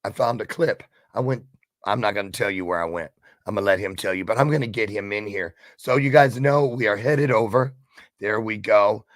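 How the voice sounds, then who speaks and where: A man's voice: fairly low pitch, fairly quick, no echo, clean studio sound. A man hosting a casual online talk show, chatty and upbeat with a playful, showman-like way of talking.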